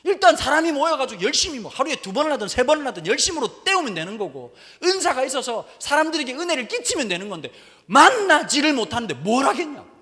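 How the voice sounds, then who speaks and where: A male pastor preaches in a high, animated voice that leaps between pitches, full of jokes and stories. His voice carries through a church sanctuary with long, lingering reverb. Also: fast talker. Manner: animated, joking storyteller. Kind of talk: sermon.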